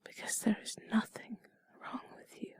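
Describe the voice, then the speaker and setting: A woman doing an intimate whispered role-play in a soft, breathy, sultry and soothing voice, speaking slowly and deliberately, close to the mic. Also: dry recording. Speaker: intimate audio narrator. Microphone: close mic, dry.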